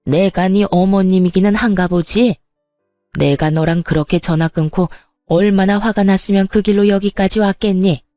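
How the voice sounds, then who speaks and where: A woman's voice: on the low side, mellow, no echo, close to an everyday voice. A woman voicing an angry middle-aged mother-in-law who scolds and sneers harshly, in a storytelling reading.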